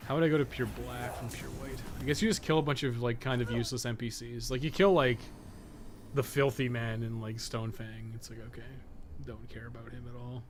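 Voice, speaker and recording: A man's voice: mid-range voice, level tone, a little fast, background noise. A man giving casual, rambling live commentary as he games, thinking aloud and swearing freely. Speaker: gaming streamer and podcast co-host.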